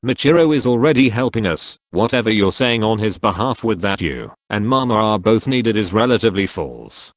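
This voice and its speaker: A man's voice: lowish voice, no room sound, clean studio sound. A man reading social media posts aloud, speaking every handle and symbol out literally.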